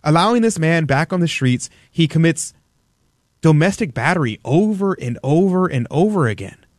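A man's voice: a little high, dry recording, studio quality. Emphatic, indignant male radio host. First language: English. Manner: emphatic, indignant, rhetorical questions. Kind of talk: opinionated talk radio commentary.

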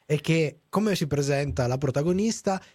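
A man co-hosting a podcast, chatting casually with quick jokey interjections. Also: on the high side, expressive, mellow. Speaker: podcast co-host. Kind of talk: casual chat.

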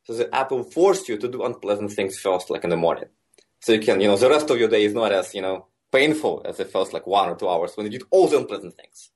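A man in his thirties from Russia with a Russian accent, a software engineer explaining his work as a guest in a conversational interview, relaxed and full of fillers. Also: lowish voice, fast. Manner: relaxed and explanatory, many fillers like "like" and "you know".

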